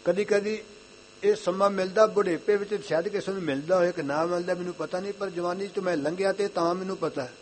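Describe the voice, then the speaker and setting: A young man giving an earnest Sikh sermon, repeating his phrases and reciting scripture lines slowly in a chanting way. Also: high voice, steady tone. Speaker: Sikh preacher.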